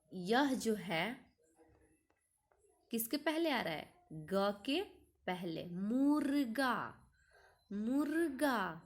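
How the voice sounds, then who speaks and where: A woman teaching a kindergarten Hindi lesson, reading words slowly one by one and quizzing the class with repeated questions. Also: on the high side.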